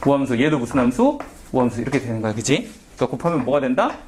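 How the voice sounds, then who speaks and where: A man's voice: medium pitch, big pitch swings, very fast, background noise. A man teaching a math lesson in a casual, questioning way, often asking and answering himself. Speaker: math tutor. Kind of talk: whiteboard math lecture.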